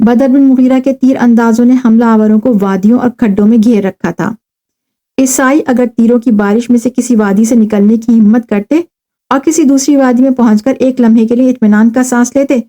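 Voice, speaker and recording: A woman narrating a historical novel in measured, scripted storytelling on a studio mic. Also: fairly high pitch, dark tone. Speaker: audiobook narrator.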